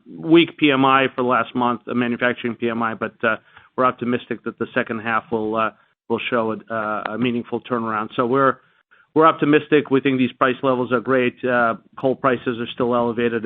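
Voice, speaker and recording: On an earnings call, a man speaking as a company executive answers analysts in a measured, halting way. His pitch stays very even, and the sound comes through a phone line dry and tinny, with no echo.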